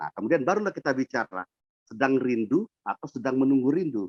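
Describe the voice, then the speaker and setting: A man of medium pitch talks at a very fast pace with very wide pitch swings. Vocal fry runs through his voice. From Indonesia, Lampung (Tanjung Karang). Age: 60s. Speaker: poet. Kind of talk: interview.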